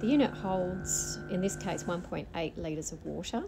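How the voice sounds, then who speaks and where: A woman talks with an Australian accent over noticeable background noise. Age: 50s. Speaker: home product reviewer. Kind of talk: casual product review to camera. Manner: casual, chatty. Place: home room. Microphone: phone near.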